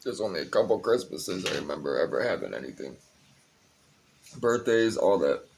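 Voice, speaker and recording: Young male vlogger, very low voice, tired, loose confessional ramble with plenty of swearing. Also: sing-song, normal speed, vocal fry, a little hiss or hum. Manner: rambling, confessional, curses freely. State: tired, a bit high. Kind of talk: casual personal vlog talk.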